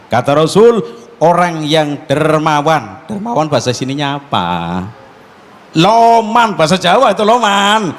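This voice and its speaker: A male Muslim preacher with a Tegal Javanese accent giving a jokey, interactive sermon, quizzing his listeners as he goes. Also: medium pitch. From Tegal, Central Java, Indonesia. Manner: jokey, quizzes listeners with call-and-response questions. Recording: long hall reverb.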